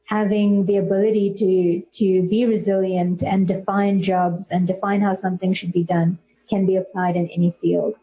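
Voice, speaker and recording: A woman giving thoughtful, deliberate off-the-cuff remarks as a panelist at a public discussion. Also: mid-range voice, flat delivery, warm tone, low-quality recording.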